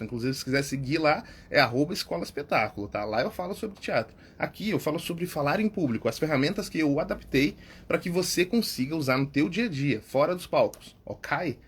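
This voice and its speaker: A man with a Brazilian Portuguese accent giving a casual lesson as a public speaking coach, repeating key words and tagging his phrases with quick check-ins. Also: a little high, a little hiss or hum. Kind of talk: casual instructional talk.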